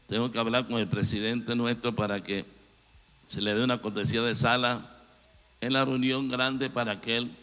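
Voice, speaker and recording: A man preaching to his flock, his voice bright and forceful. He calls the crowd brother and sister, and his words ring out with a long echo through the church hall. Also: medium pitch. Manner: fervent preacher addressing congregation as brothers. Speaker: pastor. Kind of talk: church announcements and exhortation.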